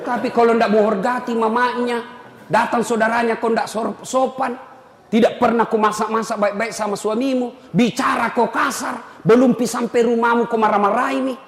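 A man preaching a humorous sermon to a crowd, animated and teasing, shouting his points. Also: very high voice, normal speed. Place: large echoey hall with audience. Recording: echoey hall, long reverb, faint noise.

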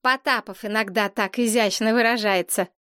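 A woman's voice: a little high, steady tone, moderate pace, pushed and bright, no echo, clean studio sound. A woman doing a level-headed boy. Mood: explaining. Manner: reasoning, matter-of-fact. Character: sensible peacemaking boy. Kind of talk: audiobook character voice.

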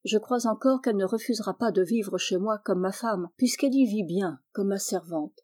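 A woman's voice: mid-range voice, darkish tone, natural voice. Woman reading as Kersak, a blunt old farmer. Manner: frank, plain-spoken. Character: blunt older male Breton farmer.

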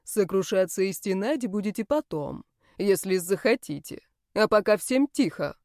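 Woman voicing a calm, commanding male healer. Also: mid-range voice, normal speed, no room sound, clean studio sound, lightly acted. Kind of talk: audiobook character voice.

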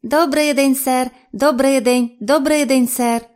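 A woman voicing a chattering talking salamander that creakily parrots phrases in a squeaky, odd-sounding voice. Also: steady tone, takes it slowly, darkish tone. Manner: repeats phrases eagerly, polite.

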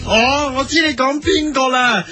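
A man's voice: very high-pitched, unhurried. A man with a Hong Kong Cantonese accent hosting a comedic radio sketch, playful and hyped as he counts down a music chart. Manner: playful, switching between host voices, hyped chart-countdown delivery.

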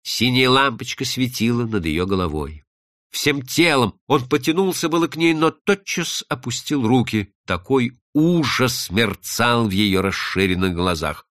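A man narrating a classic detective story in an expressive, dramatic storytelling manner. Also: mid-range voice, a little slow, no echo, clean studio sound. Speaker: audiobook narrator. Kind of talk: scripted literary narration.

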